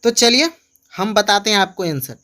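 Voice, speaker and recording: A man tutoring English in a casual online class, slowing down to repeat example phrases and keep coaxing viewers to answer. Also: sits high, heavy background noise. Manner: repeats example phrases slowly and keeps urging viewers to comment.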